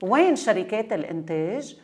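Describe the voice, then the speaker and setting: A woman with a Lebanese Levantine accent talks very fast as a television interviewer. Her pitch is average for a woman, and she is direct and pressing, jumping in with short prompts. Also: big pitch swings, darkish tone. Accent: Lebanese Arabic. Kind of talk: conversational celebrity interview.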